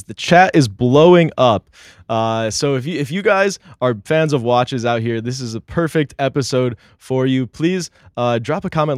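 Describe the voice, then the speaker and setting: A man's voice: medium pitch, dry recording, clean studio sound. Upbeat man hosting a live show. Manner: upbeat, reads chat comments aloud, many "uh" fillers. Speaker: podcast host. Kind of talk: live-streamed interview show.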